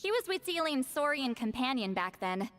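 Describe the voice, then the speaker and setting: Brusque, high-voiced shaman woman. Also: sing-song, normal speed, a bit bright. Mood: scolding, wry. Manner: brusque, easily exasperated. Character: proud, gruff, long-lived young-sounding shaman woman. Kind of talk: video game voice acting.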